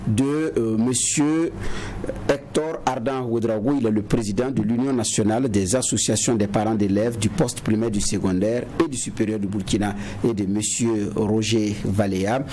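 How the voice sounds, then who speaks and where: A man hosting a studio talk show, interjecting briskly and closing with a formal sign-off. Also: on the low side, dark tone, a little hiss or hum.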